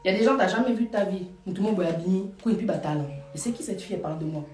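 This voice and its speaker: A woman's voice: medium pitch, very fast, a little mellow, roomy sound, far from the mic, faint music behind. A woman live-streaming to her followers in Paris, talking casually and emphatically, repeating her points for force. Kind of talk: casual live chat, mixing French and Lingala.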